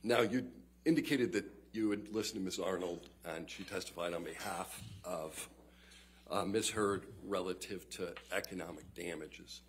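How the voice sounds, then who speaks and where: A man questioning a witness as a trial attorney, formal and measured, heard in a courtroom recording. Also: low-pitched, a little hiss or hum.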